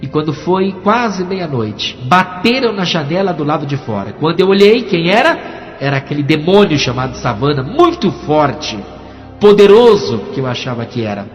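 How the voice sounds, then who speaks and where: A pastor gives his testimony with dramatic storytelling, moving between hushed and emphatic. His voice sits slightly high. It carries a long hall echo with a dull, muffled tone, and soft music plays beneath. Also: sing-song, normal speed. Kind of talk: preached testimony. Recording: echoey, dull, music underneath.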